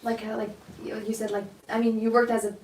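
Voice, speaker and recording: A woman's voice: on the high side, little pitch movement, quick pace, darkish tone. A woman hosting a casual interview, chatty and full of fillers. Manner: chatty, many fillers and back-channel murmurs. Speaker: host. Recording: roomy, distant mic, faint noise.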